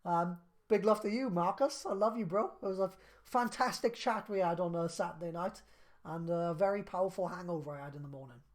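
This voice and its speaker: A man in his thirties on a live stream, reading out viewer questions and answering them in a relaxed, chatty way with lots of fillers. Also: high voice, brisk. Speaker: craft business live streamer.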